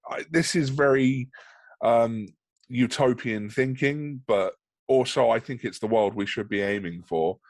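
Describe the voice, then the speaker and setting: A man's voice: mid-range voice, unhurried, dry recording. A man speaking as a podcast guest in a casual, informal, thoughtful conversational style.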